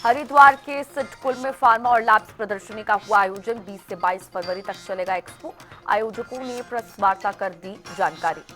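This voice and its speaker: A woman news anchor reading a headline bulletin in a brisk delivery. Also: mid-range voice, sharp tone. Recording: faint music bed behind.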